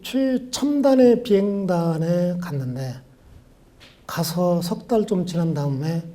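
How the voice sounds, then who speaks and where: A man's voice: a little high, mellow. A man in his sixties from Jeolla, South Korea, a law professor giving a farewell lecture full of reflective personal anecdotes in a university lecture room. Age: 60s.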